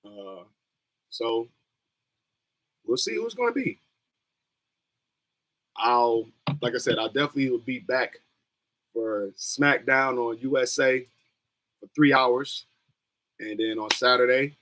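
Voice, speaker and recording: A man's voice: medium pitch, animated, slow, long pauses, fairly bright tone. A young man with a scratchy voice, chatting loosely in slang as he hosts a livestream. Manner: loose, slangy, rambling talk. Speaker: streamer hosting a wrestling watch-along. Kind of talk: casual livestream chat.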